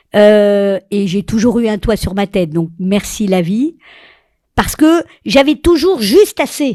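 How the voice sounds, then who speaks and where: Woman at a medium pitch, very slow, with very wide pitch swings, in a dry, close sound with no echo. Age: 70s. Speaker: singer and vocal coach. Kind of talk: interview. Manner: halting.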